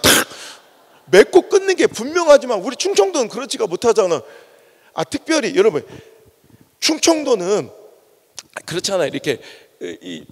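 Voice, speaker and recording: A man's voice: very high-pitched, husky, in a large hall. A male pastor from Chungcheong preaching with a Chungcheong accent, telling stories animatedly and acting out the dialogue. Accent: Chungcheong Korean. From Chungcheong, Korea. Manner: animated storytelling with acted-out dialogue. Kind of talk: sermon. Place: church sanctuary.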